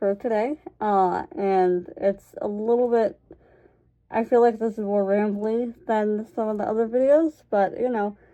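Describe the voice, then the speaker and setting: A woman speaks at a moderate pace in a fairly high pitch, her tone dark and mellow, with ordinary pitch variation. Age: 20s. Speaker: YouTuber. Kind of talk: vlog monologue. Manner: stuttering, halting.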